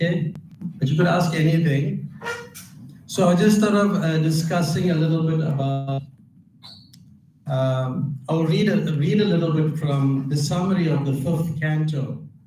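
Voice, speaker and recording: A man's fairly high voice at a fairly slow pace, with very even loudness, fairly even intonation, long, frequent pauses, audible room echo and noticeable background noise. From South Africa. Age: 60s. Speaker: Hare Krishna preacher. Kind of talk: religious talk. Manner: hesitant.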